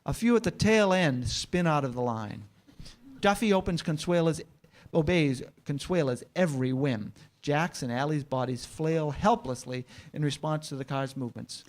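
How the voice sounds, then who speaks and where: A man's voice: on the high side, moderate pace. A man narrating scripted action as the narrator of a staged comedy screenplay reading.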